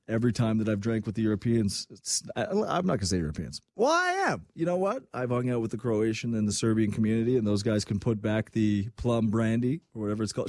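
Guy hosting sports talk, animated, does little voices, dry close mic. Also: mid-range voice, dry recording. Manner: animated, acts out quoted voices. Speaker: sports talk show host. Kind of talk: casual chat.

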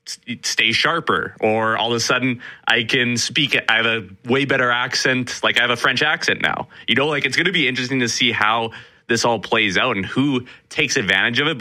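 Bright-voiced man on talk radio. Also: mid-range voice. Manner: animated, laughs easily, rambling. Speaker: radio reporter.

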